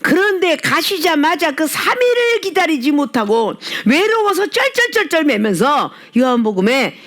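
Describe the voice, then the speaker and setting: A woman's voice: high voice, big pitch swings, normal speed, a bit bright. Emphatic woman pastor preaching. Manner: emphatic, rhetorical, keeps prompting the congregation. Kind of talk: sermon.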